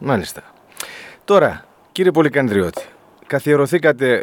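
A man's fairly slow, lively-intoned speech in a dry, close sound with no echo. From Athens, Greece. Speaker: radio host. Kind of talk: interview.

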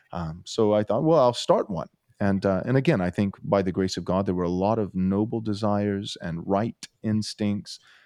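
With a Texan accent and a dark, mellow tone, a man of fairly low pitch talks at a moderate pace with ordinary pitch variation, in a dry, close sound with no echo and a quiet background. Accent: Texan American. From Texas Gulf Coast. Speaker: pastor. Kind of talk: podcast discussion.

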